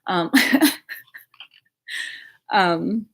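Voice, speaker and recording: A woman's voice: on the low side, extremely slow, sharp tone, breathy edge. A woman chatting casually on a livestream as a true crime creator, rambling with lots of filler words and casual swearing.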